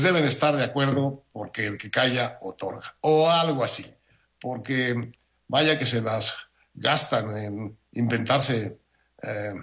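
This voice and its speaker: Man, Mexican accent, fluish; dry measured commentary, halting pauses. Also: mid-range voice, bright, forceful tone. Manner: measured, wry, many "eh" pauses. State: has the flu. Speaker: regular commentator. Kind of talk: opinion commentary on air.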